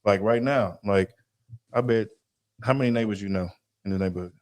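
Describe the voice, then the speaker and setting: A male co-host of a casual chat show, talking in a relaxed, slangy way. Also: on the low side, fairly quick.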